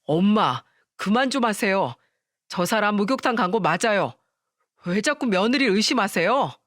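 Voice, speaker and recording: A woman's voice: medium pitch, lively intonation, moderate pace, a bit bright, dry recording, clean studio sound, close to an everyday voice. A woman voicing an adult husband who firmly pushes back against his mother and defends his wife. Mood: exasperated. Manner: pleading, firm.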